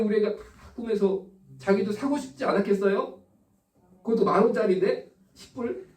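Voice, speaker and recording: A man's voice: sits high, dark tone. A middle-aged man preaching a sermon, telling stories and throwing rhetorical questions at his congregation. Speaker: pastor. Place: church hall. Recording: echoey room, distant from the mic.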